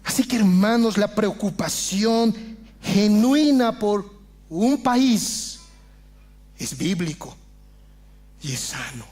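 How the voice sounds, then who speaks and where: A pastor preaches with passion in his church, his voice pitched unusually high for a man. He keeps turning to his listeners as brothers, swinging between urgent pleading and quiet earnest explanation. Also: expressive, slow, long pauses. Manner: impassioned preaching, often addressing the congregation as brothers. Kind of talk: sermon.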